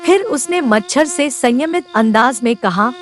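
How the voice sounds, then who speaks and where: A woman narrating a children's moral story in an expressive storytelling voice. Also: high voice, a little slow.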